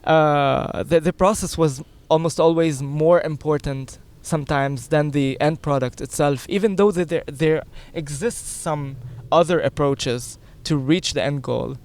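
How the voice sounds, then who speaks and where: Smooth, higher-pitched young man. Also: unhurried, hardly any pauses, darkish tone. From Lebanon. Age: young adult. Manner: explanatory, articulate. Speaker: interview guest, young environmental scientist. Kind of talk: conversational interview.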